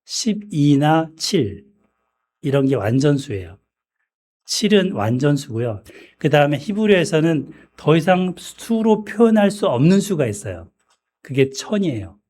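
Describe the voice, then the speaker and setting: A man preaching a sermon in a church, speaking in a measured way and often clearing his throat. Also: on the high side, sing-song, a little mellow. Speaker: pastor.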